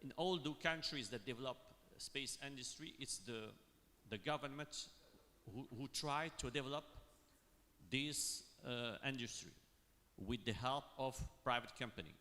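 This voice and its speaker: A man from Morocco speaking on a panel, halting and full of fillers and restarts. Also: medium pitch, sharp tone. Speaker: university panelist. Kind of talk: panel discussion remarks. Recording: long hall reverb.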